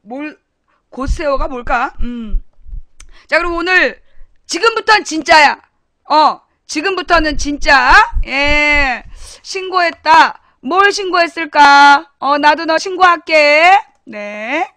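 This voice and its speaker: A woman's voice: sits high, lively intonation, slow pace, sharp tone, no echo, studio quality. A woman hosting a live-stream talk show, chatting casually, thanking viewers and joking bluntly with a laugh.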